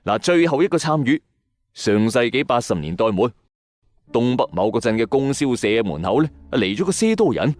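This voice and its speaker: A man's voice: mid-range voice, sing-song, normal speed, darkish tone, dry recording. A man with a Hong Kong Cantonese accent narrating scripted eerie tales as a dramatic late-night storytelling host. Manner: dramatic storyteller addressing listeners, acting out quoted lines. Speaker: host of a late-night ghost story and urban legend show. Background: background music.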